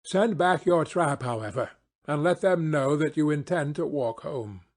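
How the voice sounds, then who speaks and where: A man's voice: on the high side, measured pace. A man playing a confident, eager male detective in an audiobook, with commanding, precise phrasing. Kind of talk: audiobook character acting.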